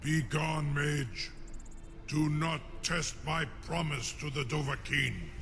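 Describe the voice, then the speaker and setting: A man playing a proud, cunning ancient dragon in a fantasy game, with a deep gravelly voice and a formal, imperious manner. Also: a bit bright, big-room sound, slight background noise, exaggerated voice. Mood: menacing. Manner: slow, deliberate, formal and imperious. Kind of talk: fantasy video game acting.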